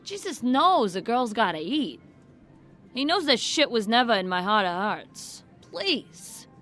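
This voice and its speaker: An actress playing a flippant, irreverent former employee in an audio drama, blunt and offhand, with folksy colloquial speech. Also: female voice, fairly high pitch, sing-song, measured pace, a bit bright, soft background music. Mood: breezy, brazen. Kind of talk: audio drama acting as interview guest.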